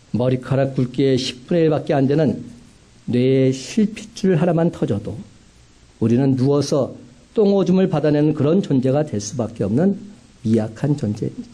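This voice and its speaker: A man preaching a sermon as a pastor, with emphatic rising climaxes and slow, stressed phrases. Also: medium pitch, lively intonation, warm tone.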